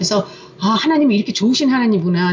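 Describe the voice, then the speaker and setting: A woman's medium-pitched voice with lively intonation, over noticeable background noise. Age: 60s. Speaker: pastor. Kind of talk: sermon. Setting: church. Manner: conversational with fillers.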